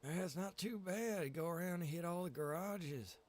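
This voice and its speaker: Staying in character as Pete, a friendly wandering survivor in a zombie roleplay online, this man talks in a folksy, easygoing way and drawls his phrases. His voice sits high and a little mellow, at normal speed.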